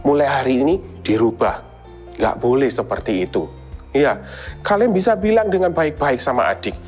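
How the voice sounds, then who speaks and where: A young woman with an Indonesian accent gives a children's sermon in a low, warm register, asking questions and urging the kids on. She jumps into squeaky, whiny little-kid voices to act out her examples. Soft music plays faintly behind her. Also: normal speed. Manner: animated, acts out kids' whiny voices in high pitch. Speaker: children's church teacher.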